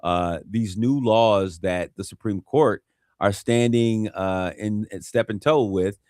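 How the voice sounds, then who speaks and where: Male radio host, low-pitched and unhurried, filler-heavy, dead-dry studio read. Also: darkish tone, dry recording. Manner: measured, frequent "uh" fillers. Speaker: radio talk show host. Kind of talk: interviewing a guest on race issues.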